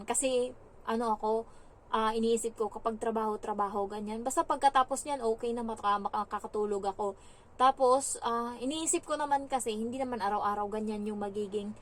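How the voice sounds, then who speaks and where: A young Filipina domestic helper tells stories in a casual vlog, chatty and animated and full of fillers. Her voice sits a little high, with slight background noise in the recording.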